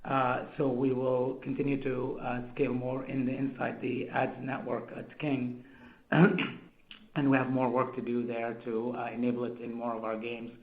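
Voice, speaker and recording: Male exec on earnings call, flat delivery, halting corporate talk, echoey phone sound. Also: medium pitch. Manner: halting, jargon-heavy. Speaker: company executive. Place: conference call over phone. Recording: tinny, echoey phone conference line.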